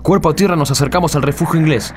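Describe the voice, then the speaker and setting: An actor playing an anxious, resigned Argentine soldier and loyal friend in a radio drama. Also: male voice, a little high, very fast, over music, close to an everyday voice. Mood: somber narrating. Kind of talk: radio drama acting with first-person narration.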